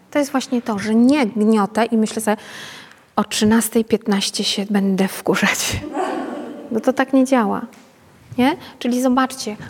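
A woman with a slightly high, husky voice gives a casual talk to a parenting workshop group as its pedagogue. She is chatty and keeps checking in through tag questions. A hall adds long reverb.

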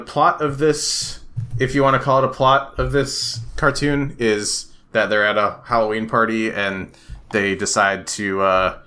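Lowish voiced guy on a podcast, bright sound, kinda hesitant, chill, laughs a lot. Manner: easygoing, hesitant, laughs often. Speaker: podcast co-host. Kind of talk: casual podcast chat.

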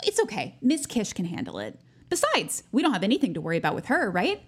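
An actress playing a self-righteous, overbearing Catholic high school senior girl in an audio play, chirpy, pushy and self-important. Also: huge pitch swings, quick pace, slightly rough. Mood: smug, chatty. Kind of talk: naturalistic audio drama acting.

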